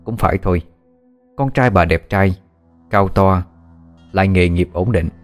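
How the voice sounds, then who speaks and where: Deep-voiced man narrating a ghost story. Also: a little slow. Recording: faint music behind.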